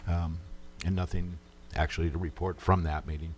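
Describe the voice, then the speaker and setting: Deep-voiced man chairing a meeting. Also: level tone, a little hiss or hum. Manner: brisk, procedural. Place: council chamber.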